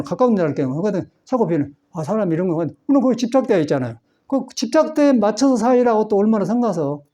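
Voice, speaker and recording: A man's voice: sits high, mellow, muffled recording. A man, a Buddhist monk, giving a folksy Sunday dharma talk in a temple hall, chatty and meandering with frequent chuckles. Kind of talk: folksy sermon.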